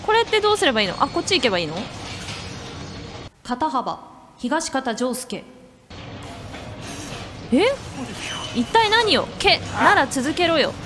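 Jittery, high-voiced woman gamer. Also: sing-song, measured pace, pauses often. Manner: jittery, jokey, bursts into frightened shrieks. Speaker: let's play gamer. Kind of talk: horror game commentary. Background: faint game music.

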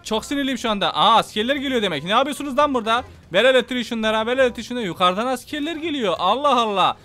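A young man commenting excitedly on a game he is playing, talking to viewers and taunting enemies. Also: extremely high pitch, racing. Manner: excitable, banters with enemies, addresses viewers as friends. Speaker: gaming YouTuber. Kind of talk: Let's Play commentary.

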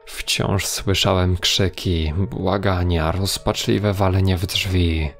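A man reading a horror story in a measured, grave storytelling manner. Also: sits low, steady tone. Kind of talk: scripted horror narration. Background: faint music.

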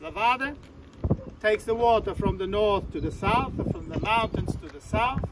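An older man guiding a walk outdoors, explaining plants and sights in halting, playful English. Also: sits high, animated, very noisy. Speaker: tour guide. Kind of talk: guided walk commentary. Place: outdoors on a mountain path.

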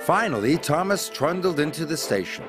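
An older man with an American accent narrating a children's story in a warm, expressive storybook manner. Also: on the high side, moderate pace. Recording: narration with music underneath. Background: music.

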